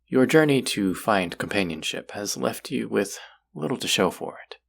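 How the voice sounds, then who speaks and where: Guy doing a possessive demon for roleplay audio, real low n raspy, slow fancy formal talk, kinda coaxing. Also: animated, fairly bright tone, exaggerated voice. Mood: solemn, coaxing. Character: possessive, courtly male demon who hungers for hearts. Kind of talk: scripted roleplay audio drama addressed to the listener.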